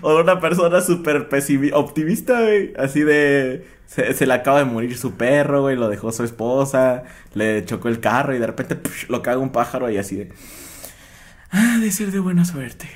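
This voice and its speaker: A man's voice: medium pitch, brisk, hardly any pauses. A young man with a Mexican Spanish accent in a casual chat, joking in slang and laughing often.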